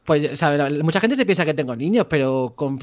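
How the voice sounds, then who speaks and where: Young guy rambling on a podcast, fast and halting, repeats words a lot. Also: on the high side, lively intonation, dry recording. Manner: hesitant, repeats words, says "¿sabes?" often. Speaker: podcast guest, YouTuber. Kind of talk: casual chat.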